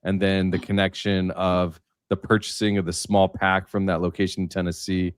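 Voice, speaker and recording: A man's voice: low-pitched, little pitch movement, moderate pace, clean tone, no room sound, clean studio sound. A man talking casually in a roundtable discussion, with informal, slangy and emphatic phrasing. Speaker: livestream panelist.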